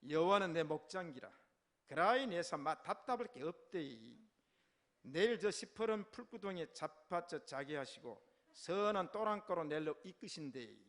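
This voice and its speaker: Casting: a preacher playing a rough-spoken Gyeongsang-accented man, emphatic and loud. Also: fairly high pitch, lively intonation, moderate pace. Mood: earnest. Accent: Gyeongsang dialect. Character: man from Gyeongsang reciting a psalm in blunt dialect.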